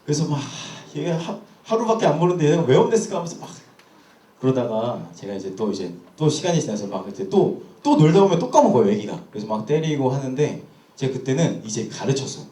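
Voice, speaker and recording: A man's voice: mid-range voice, big pitch swings, fairly quick, warm tone. A young man, a pastor, telling a personal story in a sermon with candid, self-questioning storytelling. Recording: echoey church hall.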